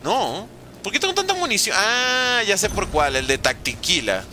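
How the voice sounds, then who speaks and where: Animated Venezuelan man streaming games. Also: high voice, slight background noise. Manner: lively, banters with chat, talks fast in bursts. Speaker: gaming streamer. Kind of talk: live gameplay commentary reading chat.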